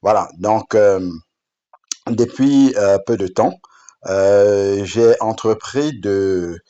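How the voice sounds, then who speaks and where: Halting low-voiced man. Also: dark tone, clear, resonant tone. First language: Bamoun. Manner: halting, with frequent fillers and restarts. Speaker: app creator presenting his Bible app. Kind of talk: unscripted screen-demo presentation. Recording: dull lo-fi sound.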